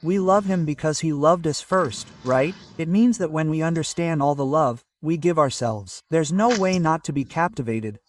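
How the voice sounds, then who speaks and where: Man, pastor, measured sermon delivery, slightly high voice, dry and a bit off-mic. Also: distant mic, slight background noise. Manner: measured preaching with scripture citations.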